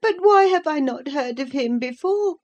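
A woman's voice: sits high, expressive, normal speed, a little mellow, muffled recording, pitched above the performer's own voice. A woman voicing a frail, fretful young boy who asks plaintive questions in a storybook reading. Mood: perplexed.

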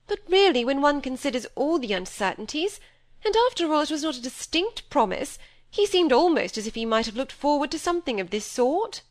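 A woman's voice: high-pitched, sing-song, a little fast, pitched above the performer's own voice. A woman voicing a self-pitying, fussy middle-aged stepmother who gushes and complains. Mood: fretful.

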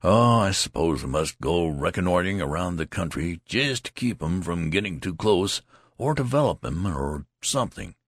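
A tall soldier who drawls easily and scolds gruffly, his tone set apart from the narration, as a male reader puts him on. The voice is deep and gravelly, and the recording is close and dry. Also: animated, moderate pace, dry recording, full character voice. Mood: offhand.

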